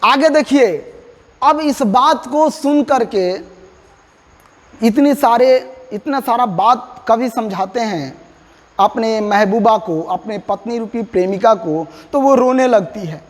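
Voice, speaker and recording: A male teacher with a very high voice walks students through a poem line by line. He is lively and dramatic and keeps addressing his listeners directly. The recording has a long, echoing reverb. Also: slow pace. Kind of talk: lesson explaining an English poem in Hindi.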